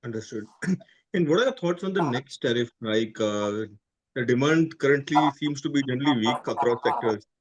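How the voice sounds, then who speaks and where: A man's voice: medium pitch, lively intonation, moderate pace, low-quality recording. A man asking questions as an analyst on a conference call, somewhat hesitantly.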